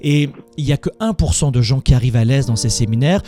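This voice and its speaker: An emphatic male host takes live calls on a motivational show. He drives his points home, often doubling his words as he builds. Soft music plays faintly behind him. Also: mid-range voice, expressive, fast talker.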